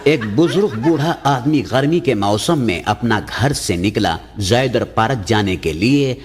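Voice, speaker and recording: A comedian with a Surinamese Hindustani accent, telling jokes in plain storytelling narration. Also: male voice, mid-range voice, lively intonation, a little slow, breathy edge. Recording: long hall reverb.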